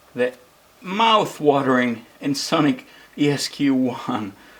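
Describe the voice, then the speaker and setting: A man speaks at a medium pitch with an Italian accent. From Italy. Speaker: music gear YouTuber. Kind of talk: casual video monologue. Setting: home studio.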